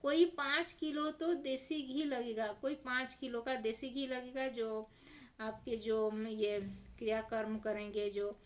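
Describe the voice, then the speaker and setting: A woman's voice: a little high, steady tone, a little slow, lightly acted. A woman voicing a dutiful male clerk in a plain, explaining tone, reading a storybook tale aloud. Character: dutiful male clerk, patient and matter-of-fact.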